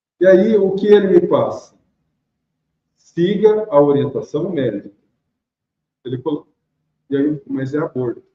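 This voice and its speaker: The speaker's intonation is lively, the pace fairly slow, with long, frequent pauses. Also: man, high pitch for a man. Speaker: Spiritist lecturer. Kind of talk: lecture.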